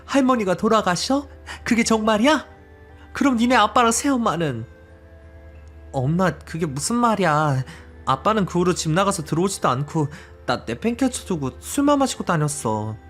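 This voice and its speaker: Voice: medium pitch, very animated, normal speed, soft background music, lightly acted. A performer voicing a grown daughter who accuses her mother of abandoning her, in a dramatized story reading, with a pleading, bitter manner. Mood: hurt, pleading.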